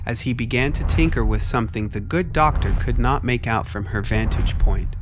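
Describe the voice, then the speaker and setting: A man's voice: medium pitch, normal speed, noisy background. A man reading scripted, dramatic story narration as the narrator. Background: prominent music.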